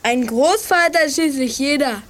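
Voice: high voice, moderate pace, a bit bright. A performer playing a cheeky, suspicious and defiant young boy in a radio play. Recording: noisy old radio play recording.

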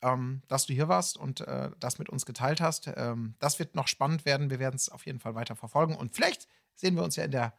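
Male co-host. Creaky, gravelly medium voice, casual chat. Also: medium pitch, brisk, fairly bright tone. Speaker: podcast co-host.

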